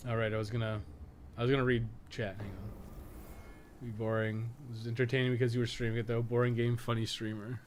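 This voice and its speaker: A man's voice: mid-range voice, level tone, fairly quick, slight background noise. A man giving casual, rambling live-stream game commentary, swearing and joking with his chat as he plays.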